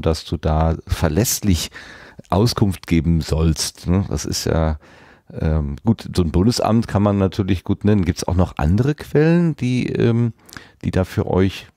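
A man's voice: low voice, mellow, no room sound, clean studio sound. A man hosting a conversational podcast interview, asking long questions that he rephrases as he goes. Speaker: podcast host interviewing a guest.

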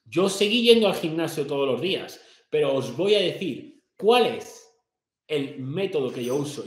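Guy in his 30s ranting at the camera, foul-mouthed and pushy, kinda high voice, echoey room. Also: darkish tone. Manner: brash, profane and confrontational, gesturing broadly. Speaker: fitness and business influencer. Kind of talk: motivational rant to camera. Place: small home office, indoors.

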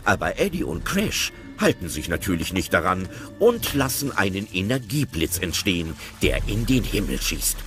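A man narrating an audio drama in a lively storytelling way. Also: low-pitched, moderate pace. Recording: clear music bed.

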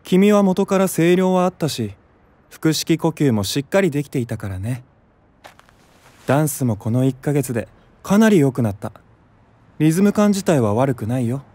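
A man's voice: on the high side, animated, normal speed, warm tone, no echo. An actor playing a composed, encouraging young male performer who mentors kindly in a voice drama. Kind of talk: anime-style voice drama acting.

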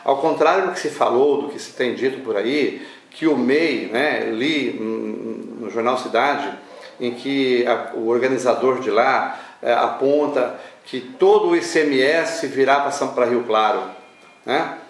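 An older man with a Brazilian accent, speaking as an association spokesman in an interview, halting between phrases and adding tag questions. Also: medium pitch. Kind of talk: sit-down news interview. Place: small indoor newsroom office. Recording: roomy, distant mic, faint noise.

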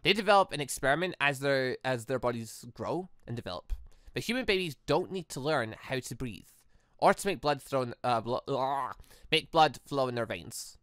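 Earnest, halting android girl, as a gamer reads her. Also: mid-range voice, expressive, a bit bright, dry recording, clean studio sound, natural voice. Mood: thoughtful. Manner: hesitant, halting, thoughtful. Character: earnest, troubled android girl confiding in friends. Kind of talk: visual novel dialogue read aloud.

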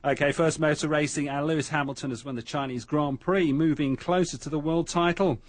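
A male newsreader delivers a scripted bulletin in a radio style. His voice sits a little higher than average, and the sound is very dry, with no room echo. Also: steady tone, fairly quick. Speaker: news and sports reader.

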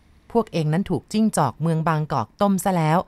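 A woman's voice: fairly low pitch, fairly quick, a little mellow, no room sound, natural voice. A woman voicing a plain-spoken older uncle with a frank, scolding manner.

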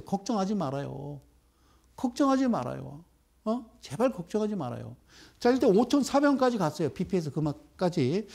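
A man's voice: sits high, warm tone, slightly rough. A middle-aged man giving a live broadcast lecture on stock trading, bantering with viewers and firing off rhetorical questions.

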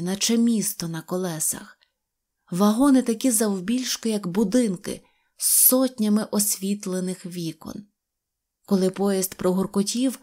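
A woman reading an audio fairy tale in an expressive storytelling manner. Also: mid-range voice. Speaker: narrator.

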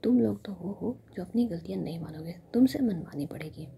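A woman's voice: lowish voice, expressive, fairly quick, creaky, mellow, slight background noise. A woman voicing a stern, bossy male police inspector in a whispery, scolding tone. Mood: weary.

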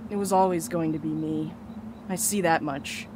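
A woman's voice: low voice, fairly even intonation, normal speed, background noise, close to an everyday voice. A woman playing a blunt, fatalistic comrade in an audio drama. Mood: resigned, firm. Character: blunt, fatalistic comrade resigned to a grim destiny.

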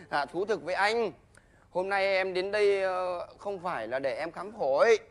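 A cheeky, evasive young patient. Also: male voice, sits high, measured pace. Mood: sheepish. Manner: cheeky, wheedling, mumbling when embarrassed. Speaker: actor in a stage comedy sketch.

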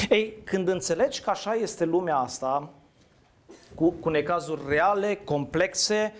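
A man preaching a sermon in a conversational way, asking his listeners questions and answering them himself. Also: a little high. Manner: asks the audience questions, conversational. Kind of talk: interactive sermon.

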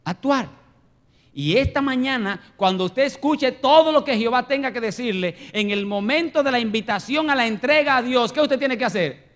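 A man preaching an impassioned sermon in church, swinging between loud exclamations and low murmurs. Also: expressive, moderate pace. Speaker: pastor.

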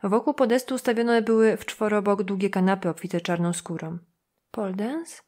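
A woman narrating an audiobook in an even, measured reading. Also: medium pitch. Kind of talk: scripted narration.

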